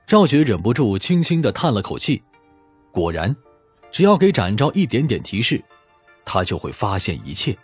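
Audiobook narrator, male, dramatic scripted delivery, breathy edge, widely moving pitch. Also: big pitch swings, normal speed, soft background music.

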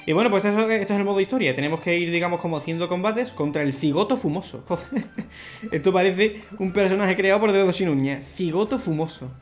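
A young man, chatting excitedly and laughing often as he plays through a video game. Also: high-pitched, fast. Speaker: gaming YouTuber. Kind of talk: let's play commentary. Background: faint game music.

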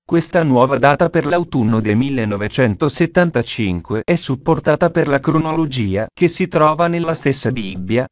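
A man voicing a pushy door-to-door preacher in a dubbed parody, talking in an insistent, earnest sales pitch. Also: no room sound, clean studio sound, lightly acted. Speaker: doorstep preacher.

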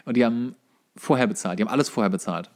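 A man's voice: medium pitch, racing. A man co-hosting a podcast, telling anecdotes casually, often repeating and correcting himself as he goes. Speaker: podcast co-host. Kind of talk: casual chat, bar anecdotes.

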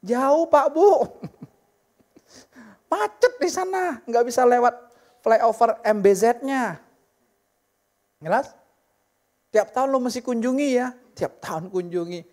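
A woman preacher, giving a sermon at a church service in an animated, joking way and speaking straight to the congregation. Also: a little high, unhurried, long pauses.

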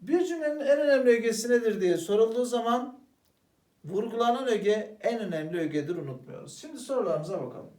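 This Turkish language teacher has a very high voice and talks quickly during an exam-prep grammar lesson. He's lively, calls his students "arkadaşlar" as if they were friends, and poses questions only to answer them himself. The mic sits at a distance, so he sounds a bit off-mic in a roomy, echoing space.

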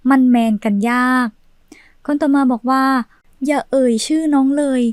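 A woman hosting a channel, reading viewer comments aloud in a steady voice with a short pause before each one. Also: high voice, dry recording. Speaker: channel host.

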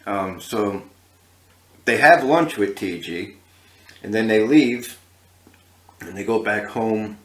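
A man's voice: on the low side, fairly bright tone. A man casually retelling a story as a video host, rambling with fillers and asides. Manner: rambling, many fillers and asides, laughs at his own story. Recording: echoey room.

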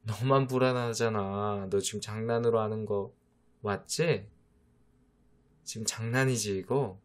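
A man's voice: on the low side, steady tone, measured pace, close to an everyday voice. A man playing a teasing boyfriend, whispered role-play. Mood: coaxing. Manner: teasing, coaxing, mock-exasperated. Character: teasing boyfriend of a younger, jealous girlfriend. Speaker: voice actor.

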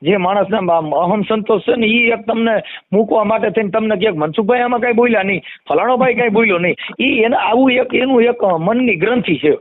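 A man with a Kathiawadi Gujarati accent argues his points insistently in an animated phone discussion, explaining and repeating phrases for emphasis. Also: sits high, a little fast, no echo. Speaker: community activist. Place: phone call. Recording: muffled lo-fi phone call recording.

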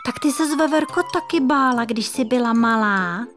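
Woman reader as a frightened little boy kitten for a kids' audiobook; high, pleading. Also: a bit bright, faint music behind, close to an everyday voice. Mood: timid. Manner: plaintive, pleading, whiny. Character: timid little male kitten, lost and scared. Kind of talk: children's audiobook reading.

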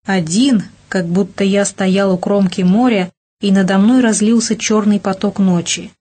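A woman reading a novel aloud as an audiobook narrator, steady and measured. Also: mid-range voice, husky. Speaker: audiobook reader. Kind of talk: scripted narration.

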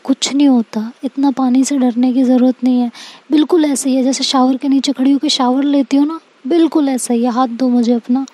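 A woman's voice: high-pitched, steady tone, a little fast, mellow. A woman voicing a playful young woman in love who coaxes and teases her partner. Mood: coaxing. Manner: coaxing and teasing. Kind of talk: storytelling with voiced quotes.

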